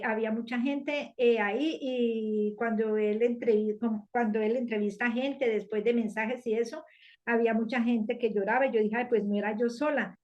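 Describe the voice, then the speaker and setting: A woman giving a personal religious testimony, earnest and halting, with many fillers and restarts. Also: a little high, a little mellow. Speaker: church member giving testimony. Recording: dull lo-fi sound.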